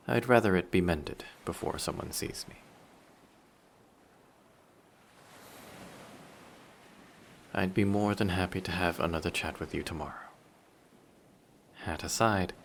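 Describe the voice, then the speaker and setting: Very deep, smooth-talking flirty male sea monster acted by a man. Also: normal speed, slight background noise. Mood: politely evasive. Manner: polite, formal, teasing, self-assured. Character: handsome flirty, vain sea monster posing as a male passenger. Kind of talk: scripted roleplay audio drama.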